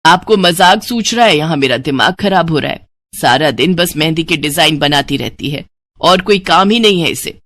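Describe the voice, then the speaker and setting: A woman's voice: sits low, expressive, moderate pace, fairly bright tone, no room sound, full character voice. A woman voicing an exasperated, scolding middle-aged mother in a storybook tale. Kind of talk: storybook voice acting.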